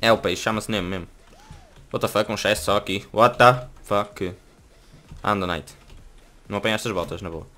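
A young man with a European Portuguese accent, hosting a casual gaming video and yelling and swearing when a fight starts. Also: lowish voice, steady tone, fast, long pauses.

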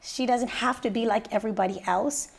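A woman in her thirties from Bermuda, a radio personality and mentor, telling her story in a sit-down interview with lively, rising energy. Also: fairly quick, vocal fry, slightly rough. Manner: lively storyteller, rises high when excited. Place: living room set indoors.

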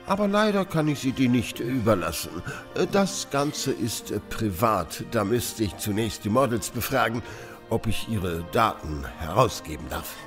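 A man acts out an older tattoo artist in a radio play, smug, patronising and quietly menacing. His condescending, theatrical drawl swings widely in pitch, with faint music behind it. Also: big pitch swings, a little slow. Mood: evasive, firm. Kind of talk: German audio drama acting.

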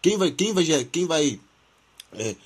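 A man's voice: a little high, big pitch swings, slow, breathy edge. A Brazilian man hosting a gaming channel, reading and commenting on news in informal, slangy talk, his throat sore from the flu.

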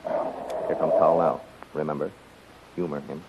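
An actor playing a strong, smooth-talking servant, earnest and courtly, in a 1930s radio style. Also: male voice, rumbling low, level tone, measured pace. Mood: secretive, urgent. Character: powerfully built, smooth-talking, scheming male servant. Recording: muffled, hissy 1930s radio recording.

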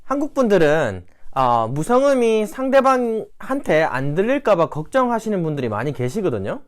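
Lively, low-pitched woman co-host. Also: moderate pace. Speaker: co-host of a language lesson. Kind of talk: explaining on a video lesson.

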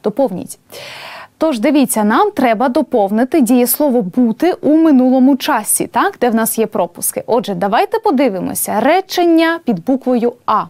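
A woman teaching a language lesson at a board, explaining patiently and spelling out examples slowly. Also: fairly high pitch, animated, a little mellow, no room sound.

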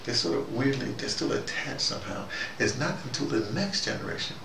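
A man in his fifties giving a rambling spoken talk to a small group, jumping between ideas and leaping up in pitch for emphasis. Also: animated, a little fast, creaky. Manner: digressive, with sudden rising emphasis. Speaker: commentator speaking to a small audience. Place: small room indoors. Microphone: far camera mic. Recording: roomy, distant, noisy.

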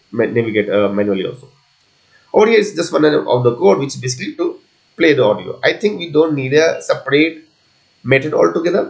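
A man giving an unscripted coding walkthrough as a tutorial presenter, explaining step by step in a halting, repetitive way. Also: mid-range voice, gravelly, low-quality recording.

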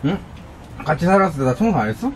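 A man's voice: on the high side, big pitch swings, quick pace, a little hiss or hum. A young man in casual conversation with friends, speaking as a vlogger. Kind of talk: casual chat among friends. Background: music.

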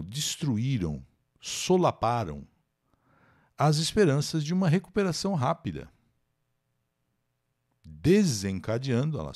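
Lively low-voiced Brazilian English teacher. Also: male voice. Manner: reads English text, then translates and explains; talks to viewers and thanks live chat by name. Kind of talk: live English lesson.

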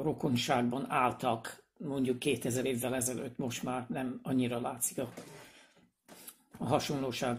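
A man giving a casual explanatory video lesson, speaking hesitantly with pauses, fillers and restarts. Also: medium pitch, darkish tone. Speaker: language presenter.

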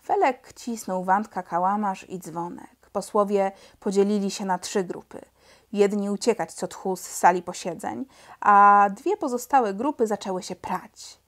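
A woman narrating a children's book aloud in a lively, expressive storytelling manner. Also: medium pitch, measured pace. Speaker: audiobook reader.

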